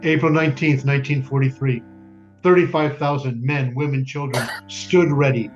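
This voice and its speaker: An actor playing a solemn, bitter ghetto survivor who narrates a stage drama in a deliberate, declamatory way. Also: male voice, mid-range voice, steady tone, natural voice. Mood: grave, tense. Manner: grave, deliberate, declamatory, with emphatic lists. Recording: dull, lo-fi stage recording. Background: music.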